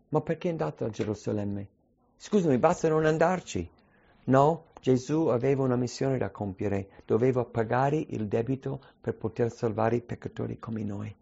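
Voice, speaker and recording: A man's voice: mid-range voice, creaky, warm tone, husky, lo-fi sound. A man preaching a sermon with emphasis, using many rhetorical questions.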